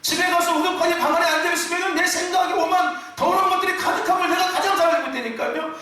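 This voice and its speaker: High, bright-voiced pastor in an echoey hall. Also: male voice, fairly even intonation, fast. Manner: impassioned, often shouting and laughing mid-phrase. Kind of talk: sermon. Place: church sanctuary. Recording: echoey church hall from far off.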